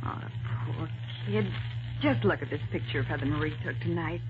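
An actress with an American accent playing a sharp, determined young woman detective's assistant in a 1940s radio drama. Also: sits low, moderate pace. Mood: pitying. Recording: noisy muffled 1940s radio recording.

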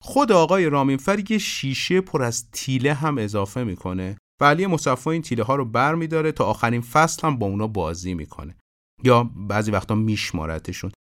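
A man hosting a podcast, narrating production history in an informative, steady way. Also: medium pitch. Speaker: podcast host. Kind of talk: scripted narration about film production.

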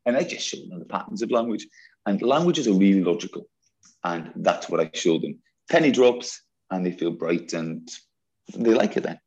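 A man from northeast England with a Geordie accent, a teacher talking animatedly in an interview, jokey and quick to repeat himself. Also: sits low, muffled recording. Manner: lively, jokey, repeats words.

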